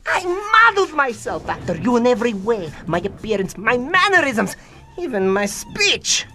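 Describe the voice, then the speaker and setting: A woman's voice: fairly high pitch, very animated, moderate pace, pushed and bright, a little hiss or hum. A woman playing a grandiose, indignant young male mad scientist in a melodramatic comedy radio play. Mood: grandiose outrage. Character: pompous young male mad scientist, theatrical upstart villain. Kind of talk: comedic radio drama acting. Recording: music behind the voice.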